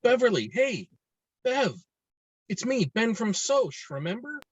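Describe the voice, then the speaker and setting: A woman's voice: on the high side, big pitch swings, slow, husky, no room sound, muffled recording, heavily acted. A woman playing an earnest, caring young boy at an amateur table read. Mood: urgent, concerned.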